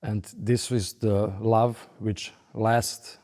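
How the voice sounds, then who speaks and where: A man in his late thirties with a Serbian accent, speaking as an interviewed musician in short, deliberate phrases. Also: on the low side, flat delivery, darkish tone. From Belgrade, Serbia. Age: late 30s. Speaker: professional orchestral violinist being interviewed. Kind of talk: interview monologue. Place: large recording hall. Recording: long hall reverb.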